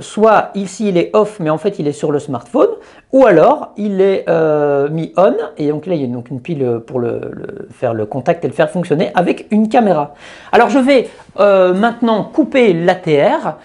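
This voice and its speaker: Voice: medium pitch, a little mellow. A YouTuber reviewing gear in a chatty, step-by-step way with many hesitations, speaking into a lapel mic. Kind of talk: casual tech review. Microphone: lapel microphone.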